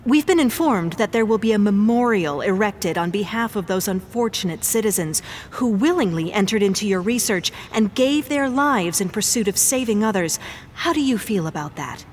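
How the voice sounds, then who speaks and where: A woman playing a brisk news reporter in an audio drama, speaking in a formal interview delivery. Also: animated, natural voice. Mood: probing, formal. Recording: hall reverb, crowd noise, rumble.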